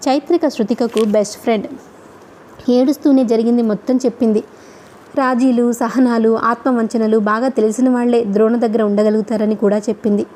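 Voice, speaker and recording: A woman with a Telugu accent narrating a novel in an even, measured storytelling manner. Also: on the high side, a little hiss or hum. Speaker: audiobook narrator.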